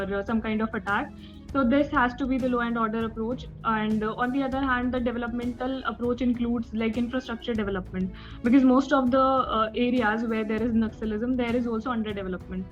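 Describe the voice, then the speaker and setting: A young Indian-accented woman speaks in a fairly high voice as she gives formal interview answers. She sounds nervous and hesitant, deferring politely to the panel. The sound is dull and band-limited, with music running behind her. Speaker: interview candidate.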